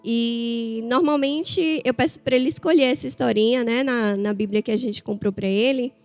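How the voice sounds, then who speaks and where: Speaking Portuguese with a Bahian accent, a thirty-something woman from Bahia, Brazil, preaches as a guest to a church, telling stories in a chatty sermon. Her fairly high voice has a darkish tone and moderate pace, with no echo and faint music behind.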